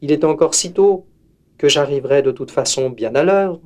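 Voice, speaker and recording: A man's voice: on the high side, moderate pace, a little mellow, close to an everyday voice. A man voicing a timid, sweet little girl in a red hood in a storybook reading, in a raised, wide-eyed voice. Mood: musing.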